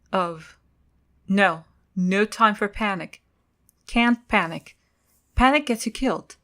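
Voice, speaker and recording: A woman's voice: mid-range voice, a bit bright. A woman giving scripted narration for a dramatic audio story.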